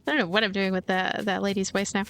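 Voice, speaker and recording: A woman reading a game's story aloud as a let's play host, with expressive narration and casual asides. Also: mid-range voice, fast, background noise. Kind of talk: voiced narration with casual commentary.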